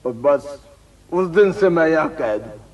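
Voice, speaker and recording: An actor with a Pakistani accent playing a proud, stubborn landowner in a television drama, indignant and emphatic. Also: male voice, on the high side, lively intonation, unhurried, muffled recording, a crowd in the background. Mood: bitter. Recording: old TV drama soundtrack with music.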